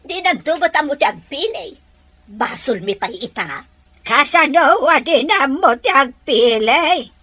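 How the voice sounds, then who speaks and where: A woman acting as a weary, resentful mother in an amateur audio drama, with drawn-out delivery. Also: high-pitched, big pitch swings, a bit bright, exaggerated voice. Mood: defensive.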